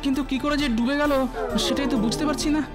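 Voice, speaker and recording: A man's voice: very high-pitched, fairly even intonation, very fast, over loud music. A man voicing a clever, witty old male court jester in a cartoon, sly and playful. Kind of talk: cartoon voice acting.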